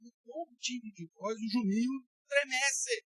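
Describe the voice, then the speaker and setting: A man's voice: very high-pitched, expressive, measured pace, a bit bright, breathy edge, no echo. A man with a Brazilian Portuguese accent, a pastor giving an emphatic, colloquial sermon and speaking bluntly to his listeners. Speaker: pastor teaching a Bible study.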